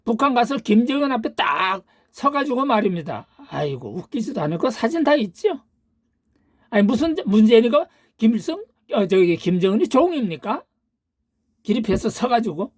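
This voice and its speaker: Older woman host, political rant, husky and animated, throws out rhetorical questions and insults. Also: on the high side, normal speed, no echo, studio quality. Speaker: channel host. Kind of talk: political monologue.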